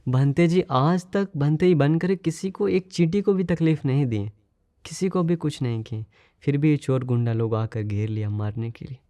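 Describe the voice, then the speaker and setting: Male monk preacher, sermon storyteller, mellow low-bright tone, dry close sound, asks listeners rhetorical questions. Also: normal speed, no echo.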